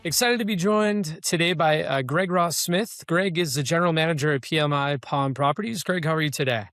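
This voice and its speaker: A man's voice: on the high side, fairly quick, a bit bright, no room sound, studio quality, faint music behind. A man hosting an interview show, asking questions in a conversational way with frequent "you know" fillers. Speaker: podcast host.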